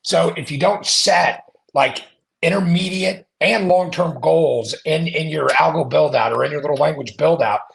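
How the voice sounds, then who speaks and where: A man with a very gravelly, fry-heavy voice, talking casually as a podcast guest. He tells stories with energy and acts out what people said. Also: on the high side, moderate pace. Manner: animated storyteller, acts out quoted voices. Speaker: podcast guest, marketing company founder.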